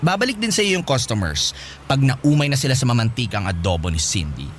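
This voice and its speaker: Swoopy, sassy Filipino gay best friend. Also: male voice, mid-range voice, very animated, brisk, a bit bright, soft background music. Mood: whiny, reluctant. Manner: exaggerated sing-song complaining with slangy asides. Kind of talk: radio drama acting.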